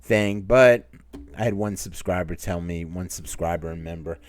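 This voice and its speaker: A man's voice: low-pitched, moderate pace, no room sound. A man with a Maine accent hosts a casual Q&A chat, rambling as he reads viewer comments aloud. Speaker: channel host.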